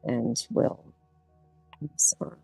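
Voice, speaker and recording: A woman's voice: slow pace, dark tone, soft background music. A woman from the US chatting casually while playing a board game online, often restarting her sentences. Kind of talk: casual chat while gaming.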